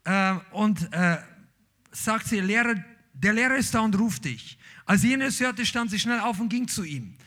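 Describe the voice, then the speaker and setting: A man's voice: sits high, animated, a little slow. A man preaching a sermon, reading scripture aloud and then driving his point home with emphatic, rising outbursts. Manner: emphatic, rising to shouts on key lines.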